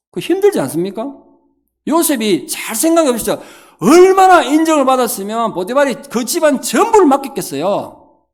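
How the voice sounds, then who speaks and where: A middle-aged man, preaching a revival sermon and telling stories, acting out the quoted lines. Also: sits high. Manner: animated storytelling, acting out quotes. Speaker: pastor.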